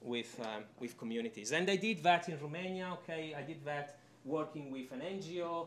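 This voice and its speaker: In an Italian accent, a man with a fairly high voice speaks at a moderate pace with lively intonation, recorded very cleanly over a silent background. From Italy. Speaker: academic researcher. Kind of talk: conference presentation. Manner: halting, many fillers.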